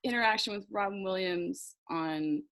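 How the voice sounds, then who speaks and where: A woman in her thirties chats as a podcast guest, telling stories in an animated way and laughing between them. Her pitch is ordinary for a woman. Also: normal speed. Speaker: actress guest. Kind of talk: casual podcast interview.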